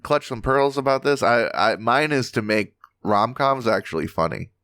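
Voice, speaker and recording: A man's voice: medium pitch, moderate pace, no room sound. A man co-hosting a podcast, chatting casually with jokes and a lot of swearing. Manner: animated, joking, swears freely. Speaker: podcast co-host. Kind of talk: casual comedic chat.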